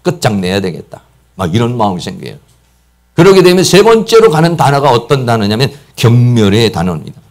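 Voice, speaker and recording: A middle-aged Korean pastor preaching a sermon emphatically, acting out quotes and piling up repeated words for stress. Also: male voice, medium pitch, sing-song, brisk, darkish tone. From South Korea. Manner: emphatic, acts out quoted speech, repeats "막" often.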